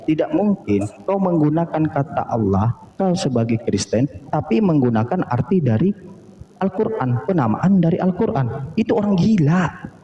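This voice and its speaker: A man's voice: a little high, big pitch swings, normal speed. A man in a heated live debate, insistent and hectoring, often repeating himself. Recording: echoey, dull lo-fi stream with faint noise.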